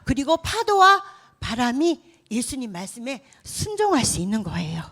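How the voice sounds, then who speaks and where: A woman with a fairly high voice preaches to children in a church service. She tells the story in an animated way and keeps turning to the young listeners with questions. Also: normal speed. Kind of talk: children's sermon.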